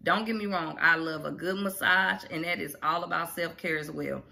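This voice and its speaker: A woman's voice: fairly low pitch, moderate pace, vocal fry. A middle-aged woman talking casually to camera in her home kitchen, chatty and encouraging. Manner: chatty, encouraging, animated with hands. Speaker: vlogger. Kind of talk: casual vlog talk to camera. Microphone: camera in front at arm's length. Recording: roomy kitchen, faint background noise.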